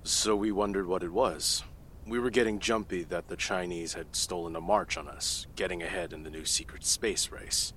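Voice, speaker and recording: A man plays a government technical analyst testifying in a very deep voice. He talks casually and offhandedly, like he's chatting. A faint hum sits behind him. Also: fairly even intonation, normal speed, fairly bright tone. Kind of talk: audio drama acting.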